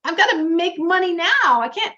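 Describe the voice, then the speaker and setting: A woman's voice: high-pitched, sing-song, bright, forceful tone, exaggerated voice. A woman voicing a fretful chicken farmer. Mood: anxious. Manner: fretful, rapid run of questions. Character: worried, overworked chicken farmer. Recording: dull lo-fi recording.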